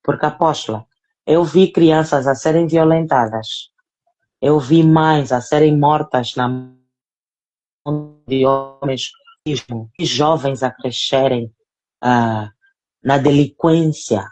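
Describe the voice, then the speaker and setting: A woman's voice: a bass voice, slow, pauses often, a little mellow. A woman sharing a personal faith testimony in an earnest, emotional way, speaking directly to the apostle and repeating phrases for emphasis. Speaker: guest giving a testimony.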